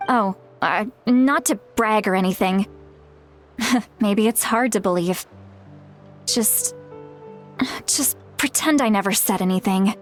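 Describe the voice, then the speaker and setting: A woman's voice: medium pitch, slow, pauses often, lightly acted. Woman voicing legendary female tribal elder, video game character, frank, self-deprecating, wry asides, casual delivery, music behind.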